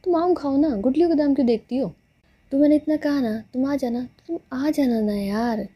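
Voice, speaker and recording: A woman's voice: sits high, moderate pace, dark tone, close to an everyday voice. A woman voicing a playful, sarcastic young woman who teases her girlfriend. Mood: teasing. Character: teasing, bossy young woman in love.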